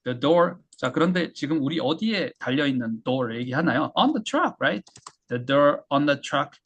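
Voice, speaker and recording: A man teaching English pronunciation, drilling words slowly and then explaining briskly. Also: mid-range voice, fairly bright tone. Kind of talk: language lesson explanation.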